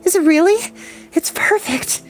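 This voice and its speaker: A man reading a storybook, voicing an earnest, wistful young girl who is soft and hesitant. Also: very high-pitched, expressive, measured pace, soft background music, voice pushed up. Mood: amazed.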